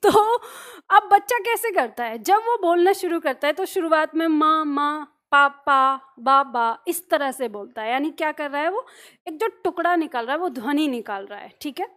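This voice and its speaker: A woman with a high voice teaches a grammar lesson. She explains patiently with simple everyday examples. She keeps asking her class questions and then answering them herself. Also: animated, normal speed.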